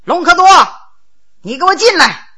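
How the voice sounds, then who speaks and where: A woman's voice: sits high, sing-song, measured pace, pushed and bright, slightly rough, exaggerated voice. A woman storyteller voicing a Qing prince, a grown man who gives harsh orders and then stammers in confusion. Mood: stern. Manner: commanding, then flustered and stammering. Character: Qing prince, middle-aged man, stern official turned bewildered.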